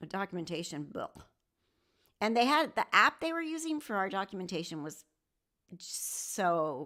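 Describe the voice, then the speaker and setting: A woman's bright, sharp voice makes very wide pitch swings and big jumps in loudness, broken by long, frequent pauses. The recording is very clean with a silent background. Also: medium pitch for a woman, moderate pace. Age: 60s. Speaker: YouTube livestream host, hospice nurse. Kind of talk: casual livestream chat.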